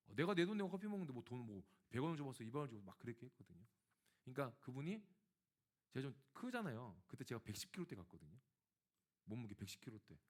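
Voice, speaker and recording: Male pastor, lively pitch, storytelling sermon that addresses the congregation. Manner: animated storytelling, acting out dialogue; speaks directly to the congregation.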